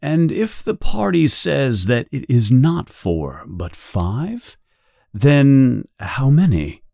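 A man voicing a calm, patient male interrogator who speaks softly and slowly, with quiet menace. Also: medium pitch, vocal fry, no echo, exaggerated voice. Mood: calm, probing. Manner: soft, slow and controlled. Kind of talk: audiobook character voice.

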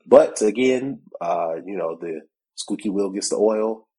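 Congested deep-voiced man hosting a podcast. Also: a little slow, dark tone, slightly rough. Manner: chatty, laughs often, acts out both sides of a conversation. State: congested from a cold. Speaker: podcast co-host. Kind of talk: casual tech podcast chat.

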